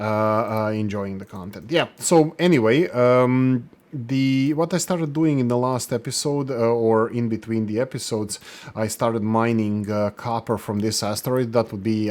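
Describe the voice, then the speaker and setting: A man's voice: lowish voice, darkish tone. A man from Croatia commenting casually over his own gameplay, rambling with many fillers and restarts, self-deprecating. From Croatia (Slavonia). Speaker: gaming channel host. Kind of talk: casual let's play commentary.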